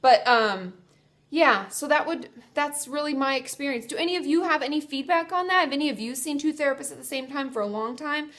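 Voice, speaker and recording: A woman's voice: sits high, fairly quick, a bit bright. Stuffy-nosed woman giving friendly advice. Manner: chatty, reassuring, self-correcting with fillers. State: congested, stuffy nose. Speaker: therapist answering viewer questions. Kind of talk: casual advice vlog.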